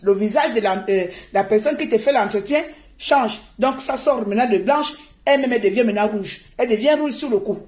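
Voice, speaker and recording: Woman streamer, high-ish voice, animated and indignant, roomy echo. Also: a little fast, hardly any pauses. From Gabon. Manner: animated, laughing often, turning forceful and indignant. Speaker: activist live-streamer. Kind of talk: live stream commentary.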